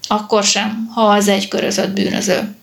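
A woman reading the lines of a calm, weary old male police captain in an audiobook. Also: mid-range voice, gravelly, natural voice. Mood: calm reasoning.

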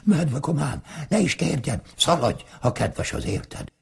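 A frightened wolf urges his friend to flee, as a man voices him in a folk storybook. His voice is lifted high, gravelly and husky, with lively rises. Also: heavily acted. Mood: urgent. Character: scared running wolf.

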